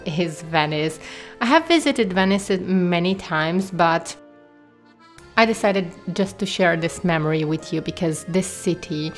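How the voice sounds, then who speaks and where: A woman vlogger narrating her trip in an enthusiastic, admiring way, with some "um" fillers. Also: on the low side. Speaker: travel and beauty vlogger. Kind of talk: travel vlog voice-over narration.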